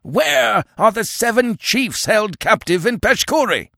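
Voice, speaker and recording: A man voicing furious tribal warriors in an adventure storybook, yelling for vengeance. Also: high voice, very animated, a little slow, gravelly, dry recording, clean studio sound, pitched above the performer's own voice, heavily acted. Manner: howling, yelling.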